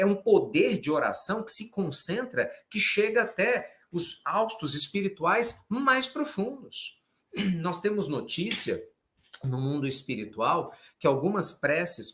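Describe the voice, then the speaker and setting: A Brazilian man giving an emphatic, conversational spiritist talk on charity, often checking in with his listeners. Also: a little high. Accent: Brazilian Portuguese. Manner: lively, emphatic, conversational preaching with frequent "né?". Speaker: spiritual speaker. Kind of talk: spiritist reflection on a reading.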